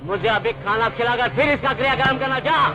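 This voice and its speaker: An actor dubbing a vicious, feuding patriarch who spits harsh, gloating threats. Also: male voice, extremely high pitch, fairly quick, over music. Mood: menacing. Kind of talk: Hindi film dubbing. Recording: muffled film audio under loud score.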